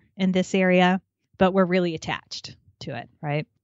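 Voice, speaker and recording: In a plain, everyday voice, a woman with a fairly low pitch speaks at a moderate pace. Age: 40s. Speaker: astrologer. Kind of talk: casual chat.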